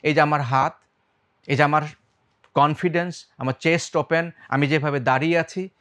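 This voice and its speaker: A man with a Bangladeshi accent teaches public speaking, his voice sitting a little high. He throws quick questions at his listeners and plays with loudness and speed as he talks. English words slip in among his sentences. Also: fairly even intonation. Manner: quizzes the audience, shifts loudness and speed on purpose. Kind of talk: lively talk to the audience.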